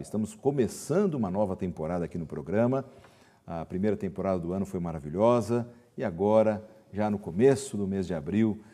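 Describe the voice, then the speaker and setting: Deep, mellow Brazilian host. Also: male voice. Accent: Brazilian Portuguese. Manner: affirming, conversational, presenter-like. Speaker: TV Bible program host. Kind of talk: religious talk show discussion.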